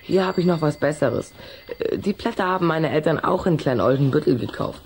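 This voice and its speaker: A polite young boy, played by a woman, speaks low and mildly, a little hesitant. He sounds like a children's radio play character, with faint noise behind. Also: lively intonation, moderate pace, a little mellow. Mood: matter-of-fact. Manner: hesitant, stammering, mild. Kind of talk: German children's audio drama acting.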